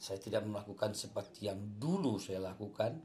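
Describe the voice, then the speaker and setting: A man's voice: on the low side, expressive, moderate pace, dark tone. A man from Aceh with an Acehnese accent, telling his faith story in a casual interview, earnest and emphatic, repeating his points. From Aceh, Indonesia. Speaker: guest testifying about his faith. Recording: echoey room.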